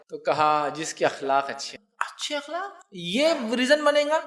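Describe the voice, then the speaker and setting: A man's voice: high voice, fairly bright tone. A man giving a religious talk in a conversational, unscripted way, explaining with everyday examples and often checking that the listeners follow. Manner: conversational and unscripted, with restarts and asides. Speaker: Islamic preacher.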